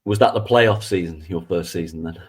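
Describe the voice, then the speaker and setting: A man with a rough baritone, hoarse from flu, co-hosting a casual football podcast. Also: brisk. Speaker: podcast co-host.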